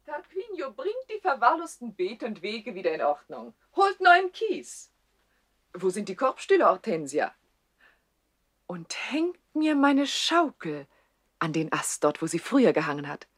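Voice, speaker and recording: An actress playing a haughty, coquettish young widowed princess in a 1960s German radio play, imperious and teasing in a theatrical way. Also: female voice, on the high side, very animated, measured pace, a bit bright, no echo, clean studio sound, exaggerated voice.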